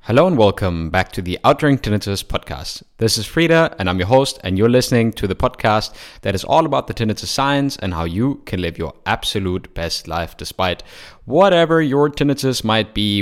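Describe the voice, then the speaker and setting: A young man hosting a podcast, talking casually with a lot of hesitation and filler words. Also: on the low side. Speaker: podcast host.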